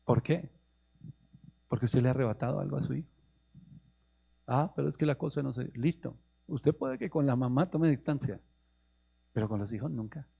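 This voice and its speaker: A man with a Colombian accent preaching a sermon as a pastor, rising into high emphatic questions and calling his listeners brother. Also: expressive, normal speed, creaky, pauses often, husky. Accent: Colombian Spanish. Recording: muffled lo-fi radio broadcast.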